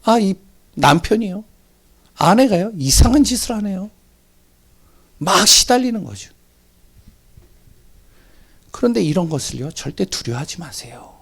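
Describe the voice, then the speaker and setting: A male pastor preaching a sermon in a church, dramatic, swinging from loud emphasis to hushed whispers. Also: a little high, gravelly, slightly rough. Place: church sanctuary.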